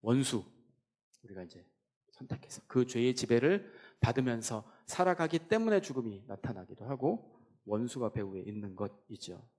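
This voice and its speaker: Male pastor, sermon in church, asks the congregation questions, animated intonation. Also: moderate pace. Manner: rises to loud, high emphasis. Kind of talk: sermon teaching.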